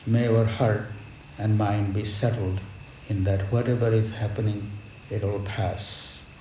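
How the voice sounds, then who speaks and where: Slow, reverent man preaching in an echoey space. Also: on the low side, flat delivery, warm tone. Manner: reverent, measured, reflective, with deliberate pauses. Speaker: spiritual teacher leading a devotional gathering. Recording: echoey space with background noise.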